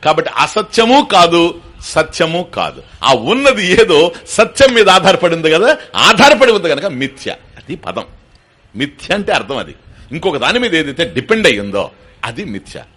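An older man gives a spiritual discourse, his pitch swinging widely from phrase to phrase. His tone is bright and forceful. He explains patiently and keeps checking with his listeners through questions. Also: big pitch swings, moderate pace. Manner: explanatory, asks the audience questions, mixes in English terms. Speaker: spiritual teacher. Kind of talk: Vedanta discourse to an audience.

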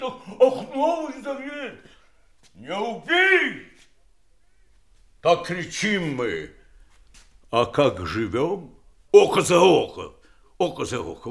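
An actor playing a garrulous, wistful doctor of eighty-six in an audio drama, rambling and halting, breaking into exclamations. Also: male voice, fairly high pitch, gravelly, heavily acted. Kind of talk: theatrical audio drama monologue.

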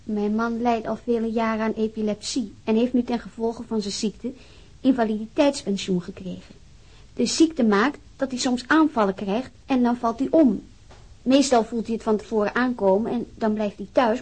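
A woman's voice: a little high, moderate pace, dark tone, slightly rough. An actress playing a worried, earnest wife who reads out a complaint letter on her husband's behalf. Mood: earnest, concerned. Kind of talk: dramatized reading of a complaint letter.

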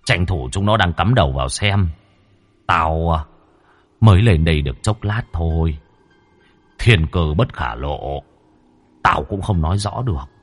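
A man's voice: low-pitched, expressive, unhurried, long pauses, husky, full character voice. A man voicing the ghost of a dead old man who urgently pleads for help. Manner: urgent, insistent.

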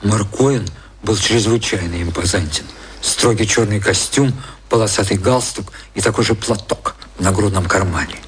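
A male actor giving a measured, detached scripted narration as the narrator of a literary radio drama. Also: on the low side, slight background noise, close to an everyday voice.

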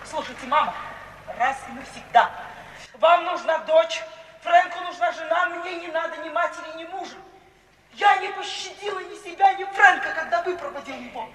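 An actress playing a proud, cool, rational young daughter, firmly declaimed in the manner of a 1950s radio play. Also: female voice, very high voice, normal speed, fairly bright tone. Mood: firm, defiant. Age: young adult. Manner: firm, crisply declaimed, unsentimental. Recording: roomy, distant 1950s radio recording, faint hiss.

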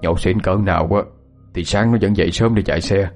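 A man's voice: sits low, fairly quick, a little mellow, faint music behind, natural voice. A man voicing a concerned working father.

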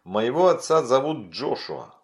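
A man's voice: mid-range voice, big pitch swings, unhurried, voice pushed up. A man voicing a young American man, polite and hesitant, speaking Russian with care as he learns it. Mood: polite, unsure.

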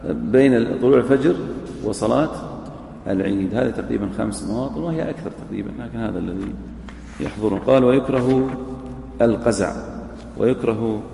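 This classroom lecture on a legal text comes from a teacher of Islamic jurisprudence, recorded in a large hall with a long ringing echo and faint room noise. His mid-range voice is gravelly and dark, brisk but often pausing, as he reads a line, says it again, and then questions his students.

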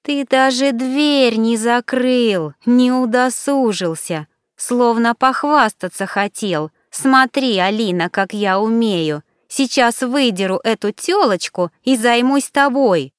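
A woman reader puts on an enraged young woman whose voice climbs high and sharp. She shouts and hisses her accusations in bursts. The read is smooth and close, with no room sound. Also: takes it slowly, dry recording. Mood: outraged. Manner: shouting, hissing, high-pitched outbursts.

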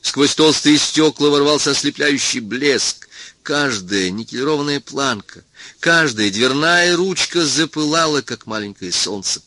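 Male audiobook reader, bright crisp tone, dry close recording, tense dramatic first-person narration. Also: fairly high pitch, a little slow, dry recording.

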